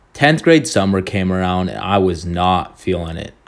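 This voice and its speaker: With an American accent, a man speaks in an animated tone at a very deep, low pitch. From Orange County, California. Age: young. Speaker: podcast host. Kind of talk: personal monologue. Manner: casual, animated.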